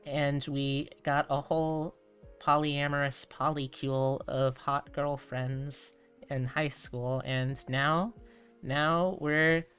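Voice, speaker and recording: A woman with a low, smooth voice talks casually to her livestream viewers over music. She takes her time, and her wording is informal and playful. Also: steady tone, slow pace, a bit bright. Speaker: livestreamer, VTuber host. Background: background music.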